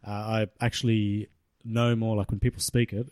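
A man's voice: fairly low pitch, level tone, moderate pace, darkish tone, no room sound. A man with an Australian accent chatting casually as a podcast guest, telling personal stories with easygoing jokes. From Blacktown, Australia. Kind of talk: casual chat, personal anecdotes.

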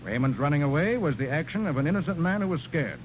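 An actor playing a confident, commanding private detective with a brisk, authoritative manner in a 1940s radio crime drama. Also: male voice, big pitch swings. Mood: explanatory, assured. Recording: noisy rumbling 1940s radio recording.

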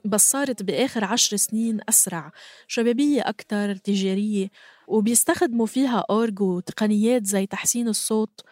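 A woman hosting a podcast, narrating from a script in a calm, explanatory way. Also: mid-range voice, fairly quick, dry recording. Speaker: podcast host.

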